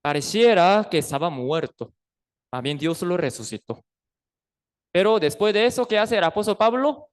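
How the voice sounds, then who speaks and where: A Costa Rican pastor with a Costa Rican Spanish accent preaches a sermon in church, constantly firing rhetorical questions at the congregation. His high voice is expressive and moderately paced, and he acts out the people in his stories in a raised voice.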